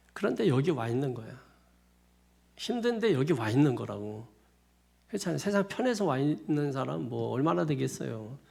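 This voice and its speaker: Gravelly man preaching a casual sermon. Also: medium pitch, dark tone. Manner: colloquial, repetitive, chuckling asides. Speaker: pastor.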